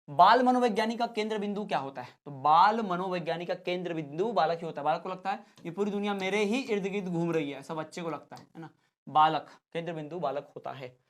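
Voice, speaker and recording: A male teacher giving an exam-prep lecture. He asks each question, answers it, then repeats the answer plainly and steadily. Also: sits high. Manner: plain, steady classroom explaining.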